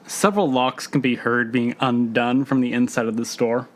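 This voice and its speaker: A woman's voice: a bass voice, little pitch movement, moderate pace. A woman narrating a tabletop roleplaying game as game master, describing scenes and characters.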